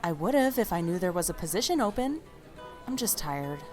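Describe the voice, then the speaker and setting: A defiant young waitress who is fed up with her diner job. Her delivery is naturalistic audio drama with very lively, swinging pitch, over faint music. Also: normal speed. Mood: tired. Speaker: podcast drama actress.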